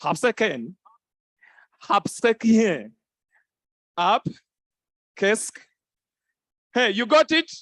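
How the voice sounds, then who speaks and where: A man hosting a live event on stage, playful and quick to laugh as he teases the crowd into repeating greetings. His voice sits high for a man. The sound is dry and close, with little room echo. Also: very animated, a bit bright. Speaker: event host. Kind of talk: lively crowd interaction. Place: conference hall stage.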